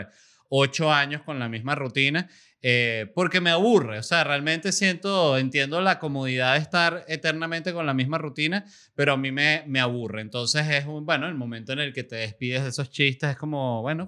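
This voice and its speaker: A man's voice: medium pitch, sharp tone. A man hosting a comedy podcast, talking in a loose, playful monologue with jokes and asides. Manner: playful, jokey, shifts into mock ASMR murmur. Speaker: podcast host and stand-up comedian.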